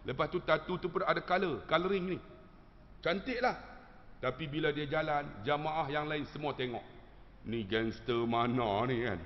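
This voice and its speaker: A man preacher with a Malaysian Malay accent telling an animated, humorous story to his congregation. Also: a little high. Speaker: religious teacher. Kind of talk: storytelling sermon. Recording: dull lo-fi sound with long hall reverb.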